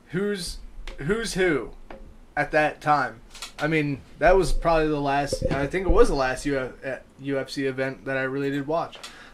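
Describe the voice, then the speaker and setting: A man speaks in a plain, everyday voice at a moderate pace. His pitch is fairly high, with ordinary pitch variation. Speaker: podcast co-host. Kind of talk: casual banter, crude humor.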